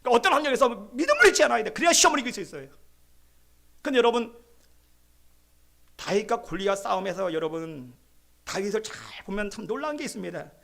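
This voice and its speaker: A man's voice: high voice, big pitch swings, quick pace, creaky, pauses often, pushed and bright. A male pastor preaching a sermon, calling out amen and asking the congregation questions. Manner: exclamatory preaching with rising calls of amen.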